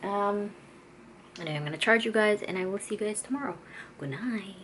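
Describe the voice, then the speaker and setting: A woman's voice: mid-range voice, fairly quick, fairly bright tone, a little hiss or hum. Chatty woman with a light Filipino accent. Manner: rambling, chatty, loses her train of thought. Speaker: vlogger and artist. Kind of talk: casual vlog chat. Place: home studio and walking outdoors.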